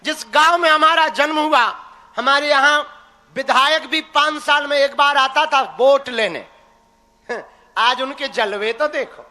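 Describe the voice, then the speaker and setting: A young man preaches to a crowd, teasing and folksy as he presses his point. His voice sits very high and cuts through sharply. It rings out with a long reverb, as if in a big hall. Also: measured pace, bright, forceful tone. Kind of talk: live religious discourse to a crowd.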